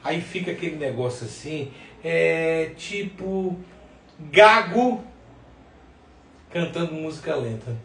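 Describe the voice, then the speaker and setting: A man's voice: fairly high pitch, animated, takes it slowly, long pauses, a bit bright. A man with a northeastern Brazilian accent hosting a podcast in casual, opinionated conversation. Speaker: podcast host. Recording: roomy echo, distant mic.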